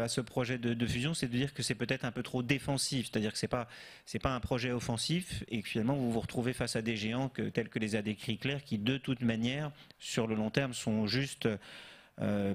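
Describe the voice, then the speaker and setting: Brief: male moderator, mid-range voice, polite questioning. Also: mid-range voice. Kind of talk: panel moderation. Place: auditorium stage.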